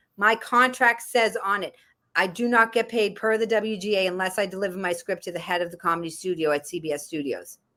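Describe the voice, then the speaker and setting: A woman with a Boston accent speaks at a medium pitch in an animated tone, recorded very cleanly against a silent background. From Boston (Dorchester), US. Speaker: stand-up comedian. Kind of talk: interview.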